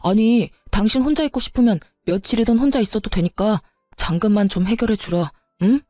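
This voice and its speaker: A woman's voice: medium pitch, brisk, mellow, dry recording, studio quality, soft background music, lightly acted. A woman voicing a desperate husband who begs and then threatens by turns, in a narrated story. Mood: pleading. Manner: begging then threatening, flip-flopping. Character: desperate pleading husband, quick-tempered, married man. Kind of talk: story narration with voiced dialogue.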